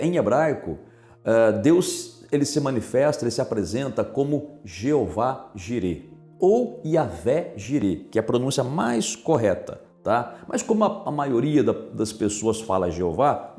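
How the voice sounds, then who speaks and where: A man preaching a sermon as a pastor, speaking straight to his listeners and asking them questions. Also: mid-range voice. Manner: asks listeners direct questions. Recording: echoey room with soft music. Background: soft music.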